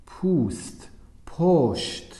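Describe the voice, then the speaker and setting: A man teaching the Persian script in a video lesson, dictating words slowly and drawing them out between quicker instructions. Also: fairly high pitch, expressive, warm tone. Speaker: language teacher. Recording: roomy echo.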